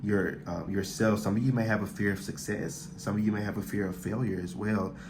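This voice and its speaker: With an American accent, a man talks at a fairly quick pace in a somewhat breathy voice, with audible room echo around him. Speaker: tarot card reader. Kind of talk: tarot reading monologue. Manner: hesitant, many fillers.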